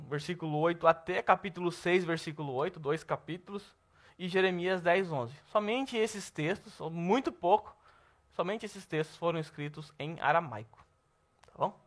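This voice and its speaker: A Brazilian man teaching a Bible class at church, lively and asking the class questions. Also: a little high. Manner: lively, asks the class questions, says "tá bom?" often.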